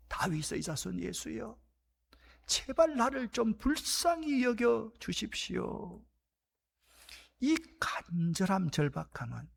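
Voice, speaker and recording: A man preaching a sermon as pastor, shouting out acted quotes and then dropping to hushed whispers. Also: high-pitched, vocal fry. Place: church sanctuary.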